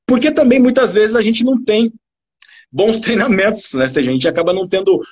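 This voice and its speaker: A man's voice: high voice, a little fast, a little mellow, slightly rough. A Brazilian man coaching viewers on customer service, earnest and repeating key words for emphasis. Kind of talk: direct-to-camera coaching talk.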